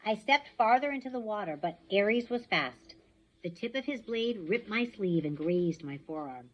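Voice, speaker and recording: A woman reads a novel aloud, shaping the action scenes with lively swings in pitch. Her voice has a husky edge. The recording sounds dull and muffled. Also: moderate pace. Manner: expressive storytelling. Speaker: reader.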